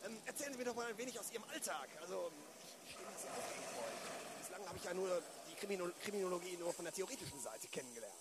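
A man's voice: sits high, big pitch swings, very fast, hardly any pauses, very noisy. A man playing a nervous, eager young police inspector in a radio play, polite and hesitant. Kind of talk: improvised German radio play.

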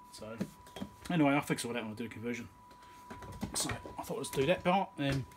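A man's voice: mid-range voice, noisy background. A man giving casual bench commentary as he works, thinking aloud in an offhand, muttering way like a repair technician. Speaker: electronics repair technician and video host. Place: small cluttered indoor electronics workbench.

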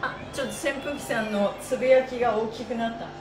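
A middle-aged woman hosting a live stretching lesson, chatting and calling out moves in a bubbly, animated, playfully polite manner. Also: on the high side, fast talker. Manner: bubbly, animated, playfully polite, addressing body parts and objects with honorifics. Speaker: stretching class host and mime teacher. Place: small room with mat on the floor, indoors. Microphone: phone or camera a metre or two away. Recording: roomy, echoey live-stream sound. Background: music.

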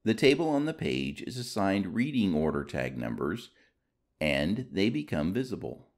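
Low gravelly guy doing a scripted how-to voiceover. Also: very animated, normal speed. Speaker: tutorial narrator. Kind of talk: scripted instructional narration.

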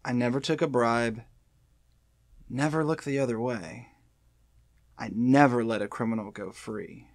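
An actor playing a weary, haunted senior FBI agent in an audio drama, speaking in a grave, halting, pleading way. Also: male voice, medium pitch, fairly even intonation, dry recording, studio quality, natural voice. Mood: earnest, pleading.

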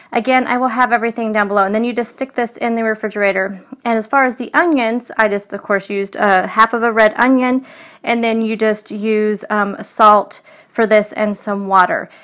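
A woman's voice: a little high, fairly bright tone. A chatty woman narrating her weekly cooking in an easygoing voice-over. She talks loosely, with plenty of ums along the way. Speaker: food vlogger.

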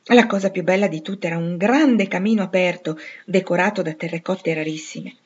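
A woman reading a classic novel aloud, with measured, expressive storybook narration. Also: lowish voice, husky, muffled recording. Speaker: audiobook reader.

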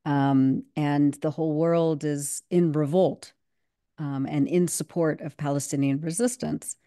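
A woman's voice: low voice, steady tone, measured pace, warm tone, no room sound, clean studio sound. A woman in her thirties, a guest commentator, speaking emphatically over a video call and using plenty of fillers. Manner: fluent and emphatic, with many fillers. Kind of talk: casual video-call discussion. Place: home room on a video call.

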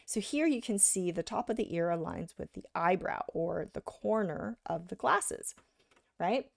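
A woman giving a live drawing lesson, talking casually while she sketches and often checking in with "right?", a little hoarse from being sick. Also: on the low side, lively intonation, measured pace, no room sound, clean studio sound. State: slightly hoarse from illness. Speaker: art instructor.

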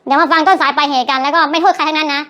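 A woman's voice: high-pitched, fairly even intonation, racing, bright, forceful tone, dull audio. An older woman, telling her side of a story in a rambling, chatty way in a recorded clip, with a sore throat. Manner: rambling, chatty, self-correcting. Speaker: vlogger.

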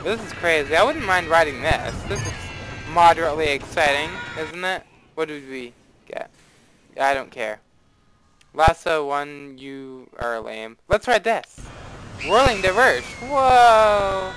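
Young male gamer, bright tone, unhurried, hammy asides, faint noise floor. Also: fairly high pitch, animated, rough recording. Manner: rambling, playfully dramatic, squeals on rides. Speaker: let's play host. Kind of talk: casual gameplay commentary.

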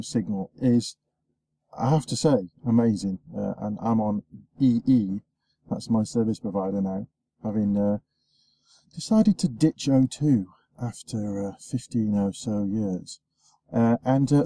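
A man's voice: on the low side, mellow. A man in his forties with a sore throat, chatting in a rambling vlog from inside a parked car, close to the camera. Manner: rambling, chatty, lots of ums and uhs. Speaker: show host. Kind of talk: casual vlog chat. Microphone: camera facing him at close range.

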